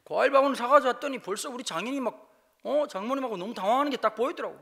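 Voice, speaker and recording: A man's voice: extremely high pitch, racing, vocal fry, husky. A man from Busan with a Gyeongsang accent, a pastor telling funny personal stories in a revival sermon and acting out dialogue in dialect. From Busan, South Korea. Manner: lively, jokey, acts out dialogue in dialect. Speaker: guest pastor preaching a revival service. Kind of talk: humorous storytelling sermon. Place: church sanctuary.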